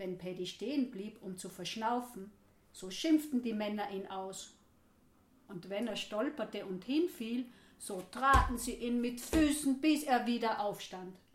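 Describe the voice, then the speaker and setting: A woman's fairly high voice moves with lively intonation while she talks fairly slowly. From Upper Austria. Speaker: storyteller. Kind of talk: storytelling, ghost story told aloud. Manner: suspenseful, hushed, dramatic pacing.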